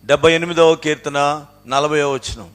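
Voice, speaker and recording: A man with a Telugu accent preaches with fervor, his voice sitting a bit high. He drops to soft, low stretches and then surges into loud, emphatic runs. He keeps repeating his rhetorical questions to drive each point home. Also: steady tone, moderate pace. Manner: swings between low quiet passages and raised emphatic outbursts. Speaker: pastor. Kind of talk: sermon.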